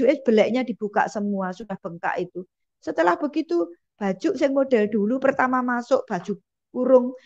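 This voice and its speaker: Woman, animated testimony storytelling, somewhat high voice, muffled lo-fi sound. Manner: animated, repetitive, colloquial Javanese-tinged Indonesian. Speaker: testimony speaker. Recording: dull lo-fi audio.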